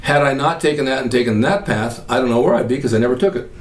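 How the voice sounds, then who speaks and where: A man's voice: mid-range voice, expressive. An older man from California hosting his own podcast, telling rambling stories in casual chat. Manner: rambling storyteller, quick and chatty. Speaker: podcast host. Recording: roomy echo, mic at a distance.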